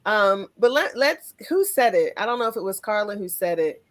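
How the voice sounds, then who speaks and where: A woman's voice: mid-range voice, very animated, normal speed. A woman hosting a casual interview in an enthusiastic, affirming manner. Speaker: podcast host.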